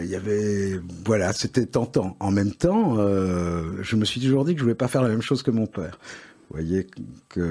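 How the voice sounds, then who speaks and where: A man's voice: lowish voice, darkish tone. A middle-aged man with an old Parisian accent, answering interview questions about his ad agency, hesitant with many fillers and wry self-mockery. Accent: Parisian French. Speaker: advertising agency founder, interview guest.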